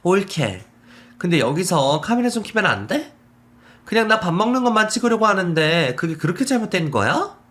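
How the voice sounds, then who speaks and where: A man's voice: high voice, very animated, normal speed, fairly bright tone, pitched above the performer's own voice. A man voicing a rude, entitled young woman who whines and quarrels shrilly in a storytelling video. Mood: whining.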